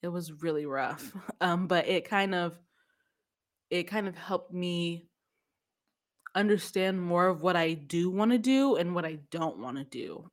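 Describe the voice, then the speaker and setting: A woman's voice: fairly low pitch, expressive, a little slow. A woman, chatting casually as a podcast guest, laughing often and trailing off mid-sentence. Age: 30s. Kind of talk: casual chat.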